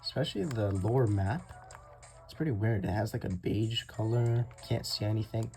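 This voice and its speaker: A man's voice: lowish voice, normal speed, darkish tone. A young man giving casual, chatty commentary over his own gameplay, often laughing and talking to viewers as "guys". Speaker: gaming YouTuber. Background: faint game music.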